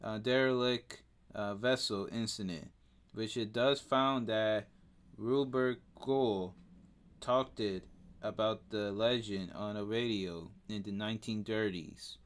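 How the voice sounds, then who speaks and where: A man with a Spanish accent, a native Spanish speaker, co-hosting a casual podcast and reading out facts haltingly, stumbling over names with plenty of fillers. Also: fairly low pitch, fairly even intonation. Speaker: podcast co-host.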